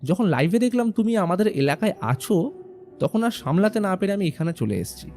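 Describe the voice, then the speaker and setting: A man voicing an excited young woman superfan who gushes and pleads. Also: high-pitched, a little fast. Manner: gushing, pleading.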